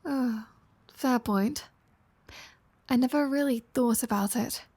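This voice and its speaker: Woman acting a flirty, slow-talking vampire woman, dry sound. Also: fairly high pitch, a little mellow, slightly rough, no echo, exaggerated voice. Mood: casual explaining. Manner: teasing, casual, sardonic, with sighs and drawn-out phrasing. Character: flirty, teasing female vampire, sardonic and casually foul-mouthed. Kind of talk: intimate roleplay audio drama addressed to the listener.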